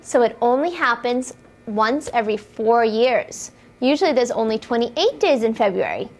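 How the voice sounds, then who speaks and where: High-pitched, animated woman reading to children. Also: normal speed. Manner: encouraging, asks the children questions and prompts them to join in; exclaims action words playfully. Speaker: storytime reader for young children. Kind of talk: animated read-aloud of picture books to children.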